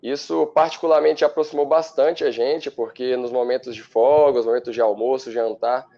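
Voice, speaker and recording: Articulate man, slightly gravelly. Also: medium pitch, fairly even intonation, warm tone, lo-fi sound. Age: 30s. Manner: articulate, fluent, measured explanations. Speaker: women's football coach, studio guest. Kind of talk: studio interview.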